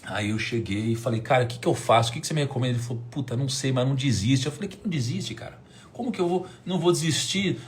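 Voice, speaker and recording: On a live stream, a Brazilian man in his thirties tells a personal story, reenacting past conversations and swinging between hushed counting and loud, excited outbursts. His pitch is medium, with a little background noise.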